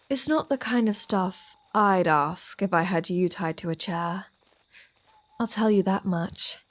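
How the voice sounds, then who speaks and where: Woman playing a slow-talking, flirty female vampire. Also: mid-range voice, lightly acted. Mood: sardonic, flirty. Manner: playful, sardonic, mock-exasperated. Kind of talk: ASMR roleplay audio drama.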